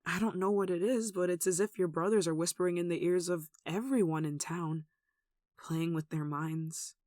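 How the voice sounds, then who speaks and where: A performer playing a gentle, protective nun in an ASMR roleplay, speaking in a tender, soothing and wistful way. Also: mid-range voice, fairly even intonation, normal speed, no echo, studio quality, natural voice. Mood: worried, somber. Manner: tender, soothing, wistful, with sighs and soft chuckles. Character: gentle, protective young nun caring for a sick demon. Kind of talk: ASMR roleplay, soft intimate acting.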